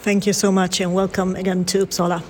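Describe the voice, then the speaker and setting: A woman's voice: on the low side, level tone, quick pace, a little mellow. Swedish woman reporter, hesitant questions. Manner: hesitant, many ums while forming questions. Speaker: radio reporter. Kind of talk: radio interview.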